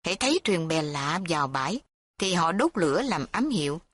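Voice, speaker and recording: A woman narrating a story with a steady, even reading. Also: lowish voice, moderate pace, no room sound.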